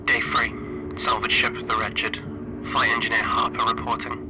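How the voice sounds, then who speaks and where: A man playing a stranded, grieving spaceship engineer recording a radio-like log for a horror tabletop game, halting and deliberate with long pauses. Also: mid-range voice, completely flat delivery, background noise. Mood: haunted, grieving. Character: stranded male spaceship flight engineer, weary, grieving lone survivor.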